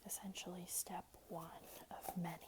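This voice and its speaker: A woman whispering breathily and gently in an ASMR tutorial, explaining things in an unhurried way. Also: fairly low pitch, level tone. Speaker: ASMR creator giving a wig styling tutorial. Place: small room at home, indoors.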